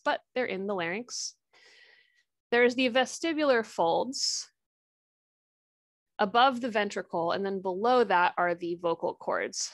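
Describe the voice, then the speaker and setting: A woman's voice: mid-range voice, a bit bright, no room sound, clean studio sound. A woman giving a recorded histology lecture, chatty and upbeat, with jokey asides and frequent ums.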